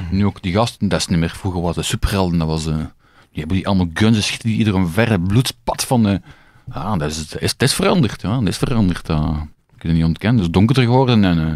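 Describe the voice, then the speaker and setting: Over a quiet background, a man with a very deep, low voice talks very fast with hardly any pauses. His pitch varies in an ordinary way, and the sound is dry with no echo. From Belgium, Limburg; Belgium. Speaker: comic artist. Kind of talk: casual chat. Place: studio. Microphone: studio mic.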